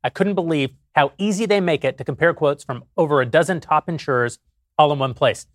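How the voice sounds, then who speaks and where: Joking, somewhat high-voiced man. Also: fairly quick, no room sound, studio quality. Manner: joking, deadpan, self-deprecating. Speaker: show host reading an ad. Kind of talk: comic ad read.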